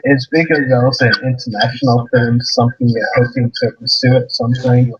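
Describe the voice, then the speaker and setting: A man hosting a podcast and asking interview questions in an even, flat delivery. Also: mid-range voice, brisk, slightly rough, muffled recording.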